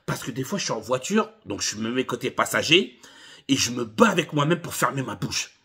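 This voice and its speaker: A man's voice: medium pitch, brisk, slightly rough. A man in his thirties, a driving instructor, telling funny anecdotes casually to his viewers. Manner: animated anecdotes addressed to viewers as 'les gars'. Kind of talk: casual storytelling to camera.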